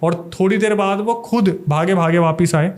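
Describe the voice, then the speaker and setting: Man, slightly high voice, mellow tone, casual podcast storytelling. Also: moderate pace. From Delhi, India. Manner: informal, chatty, addresses the listener as brother. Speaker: podcast guest, paranormal YouTuber.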